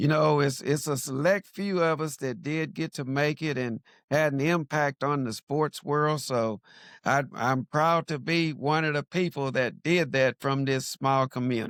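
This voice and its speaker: This man has a Southeast Texas accent and a fairly high pitch, speaking at a fairly slow pace with fairly even intonation. The recording is very clean with a silent background and a dry, close sound with no echo. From US South, Orange, Texas. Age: 60s. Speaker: former professional baseball player. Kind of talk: interview.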